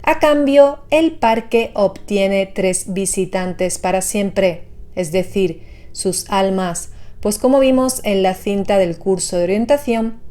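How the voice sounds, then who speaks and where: A woman reads scripted narration for horror storytelling in a measured, explanatory manner. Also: mid-range voice, dark tone. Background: background music.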